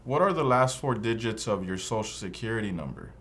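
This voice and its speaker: A man's voice: lowish voice, big pitch swings, a little fast, fairly bright tone, husky, heavily acted. A man voicing an immigration officer who asks formal, neutral questions in a scripted practice dialogue. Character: male immigration officer conducting an interview.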